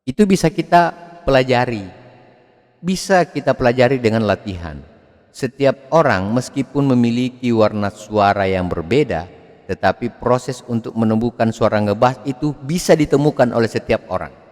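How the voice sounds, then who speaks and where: A man giving a video lecture on public speaking, expressive, swinging his pitch and loudness to demonstrate. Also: moderate pace. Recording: long hall reverb.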